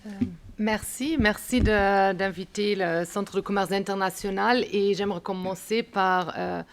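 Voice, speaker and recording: A woman economist on a panel, speaking carefully and deliberately in a language that is not her first, often pausing to search for words. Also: mid-range voice, fairly even intonation. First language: not French. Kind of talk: panel talk.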